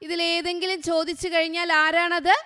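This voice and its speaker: Revising for an exam with first graders, a woman quizzes them using short questions she repeats again and again, speaking slowly and clearly. Her high, bright voice has a flat delivery, and a long room reverb trails after her words.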